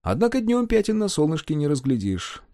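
A man voicing a carefree, sly young peasant charmer in a storybook, speaking lazily and unhurried. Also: a little high, wildly swooping pitch, mellow, no room sound, clean studio sound, voice pushed up. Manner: lazy, unhurried, mocking.

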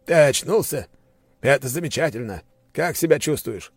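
A man's voice: medium pitch, expressive, moderate pace, slightly rough, no echo, pitched above the performer's own voice. Brief: man playing a calculating middle-aged prince, soothing on the surface. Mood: smooth. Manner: falsely concerned, reassuring. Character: scheming, smooth-talking middle-aged prince. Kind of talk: audiobook character voice.

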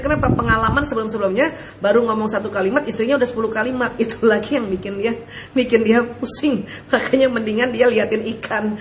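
A woman preacher giving casual advice to listeners' questions, animated, asking rhetorical questions and laughing often. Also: a little high, a little hiss or hum.

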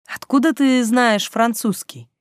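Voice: medium pitch, measured pace, dry recording, pitched above the performer's own voice, lightly acted. Reader putting on a bashful young girl: curious, eager, lightly raised, dry.

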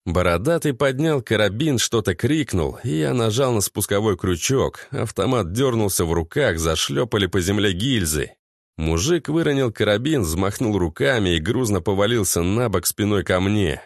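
Give me a man narrating an audiobook in a steady, measured voice, recorded dry and close. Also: lowish voice, dry recording. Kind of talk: first-person audiobook narration.

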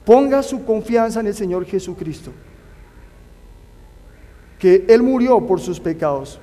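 A man's voice: high voice, lively intonation, a little slow, warm tone. A man preaching a sermon, earnestly urging his listeners to put their trust in God. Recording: long hall reverb.

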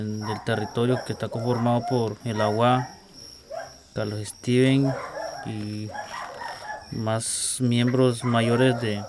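Halting man in field interview. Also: medium pitch. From Costa Rica. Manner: halting, repeats words while searching. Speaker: indigenous community spokesman. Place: outdoors in a rural community. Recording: outdoor field recording with clear background noise.

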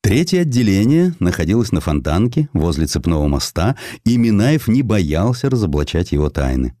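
Male narrator for historical audiobook: low voice, very animated intonation, theatrical storytelling, dry close sound. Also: normal speed, dry recording. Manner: expressive, theatrical delivery. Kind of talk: scripted literary narration of a historical essay, with expressive verse recitation.

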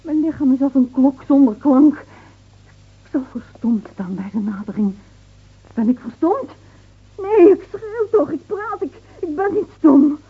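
A woman acting an anguished, desperate woman in a theatrical radio drama, pleading and shifting between outcries and breathy whispers. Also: sits high, animated, a little slow. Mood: agitated pleading. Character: anguished, desperate woman dreading her beloved Manuel's return. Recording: tinny, band-limited old radio play recording.

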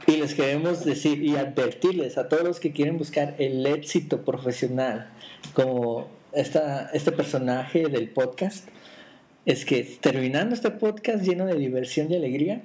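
A man's voice: on the high side, moderate pace, a little mellow, poor audio. A man hosting a casual podcast, teasing his co-host with playful jokes and frequent restarts. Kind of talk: casual joking chat.

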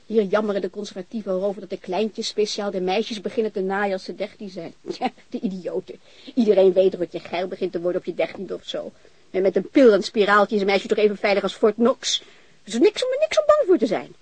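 A woman's voice: medium pitch, lively intonation, brisk, a little mellow, breathy edge, dry recording, low-quality recording. An actress playing an outspoken, chatty middle-aged landlady in a naturalistic radio drama, talking bluntly and restarting her sentences. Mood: frank, teasing. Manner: talkative, blunt, breaks off and restarts.

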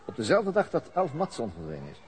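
An actor playing a dogged, reserved police detective in a radio play, with a terse, dry, probing manner. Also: male voice, medium pitch, wildly swooping pitch, fairly quick. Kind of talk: Dutch radio play acting. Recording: radio play with clear background noise.

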